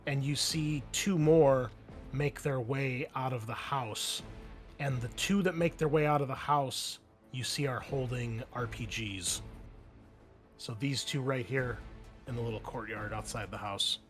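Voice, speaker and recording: A man's voice: medium pitch, a little slow, soft background music. A man narrating a tabletop roleplaying game as game master, casually explaining the action and checking in with players.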